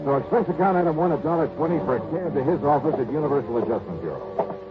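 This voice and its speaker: Johnny Dollar, an actor as lively hard-boiled investigator. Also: male voice, fairly high pitch, fast talker, music in the background, lightly acted. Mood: brisk narrating. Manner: snappy, wry, hard-boiled. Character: wisecracking, confident male freelance insurance investigator. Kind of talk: 1950s radio drama acting, hard-boiled narration. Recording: dull, noisy vintage radio recording.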